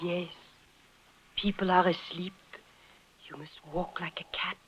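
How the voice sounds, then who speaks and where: A woman's voice: on the low side, steady tone, measured pace, slightly rough. An actress playing a bold, mysterious young woman who leads the way in a 1950s radio drama, speaking in formal, clipped, commanding phrases. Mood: hushed, intense. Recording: muffled old 1950s radio broadcast.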